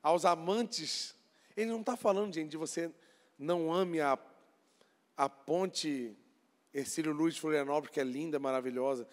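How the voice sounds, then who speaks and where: High-voiced pastor preaching in a reverberant hall. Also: male voice, normal speed. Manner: lively, conversational preaching with dramatic acted-out voices. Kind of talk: sermon. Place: church. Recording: church hall with long reverb.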